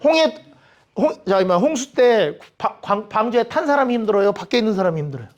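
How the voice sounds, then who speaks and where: A high-pitched man talking a little fast teaches Bible study with plenty of humor. He puts questions to the audience and acts out quoted figures in a lively way, all captured on lo-fi sound.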